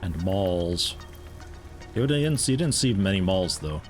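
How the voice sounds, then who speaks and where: Low-voiced man chatting through a stream. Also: expressive, unhurried, soft background music. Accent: mixed American with picked-up European mannerisms. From United States. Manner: rambling, chatty, self-interrupting, amused. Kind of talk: casual live-stream chat while playing.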